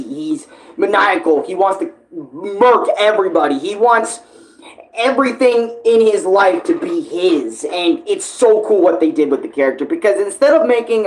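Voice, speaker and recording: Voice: medium pitch, low-quality recording. American streamer rambling casually, emphatic and slangy. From United States (Phoenix). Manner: emphatic, conversational, peppered with slang and swearing. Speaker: streamer and video creator. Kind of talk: casual rambling fan commentary.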